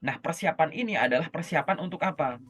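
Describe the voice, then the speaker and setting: Lively chatty male interview coach. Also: fairly high pitch, quick pace. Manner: lively, chatty, often checks in with "oke?" and "gitu". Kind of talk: casual coaching session. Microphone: video call.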